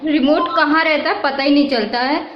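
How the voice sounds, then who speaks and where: A woman's voice: sits high, normal speed, a little hiss or hum. A young woman chatting casually in a home vlog, exclaiming often and laughing as she talks. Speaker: vlogger. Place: at home, indoors. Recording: roomy, dull home recording.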